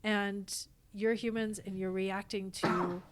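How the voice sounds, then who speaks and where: A woman's voice: mid-range voice, fairly even intonation, slow pace, a little hiss or hum. A woman speaking as a podcast guest in casual, reflective conversation, with an earnest, emphatic way of talking. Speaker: podcast guest, theatre actor and company founder.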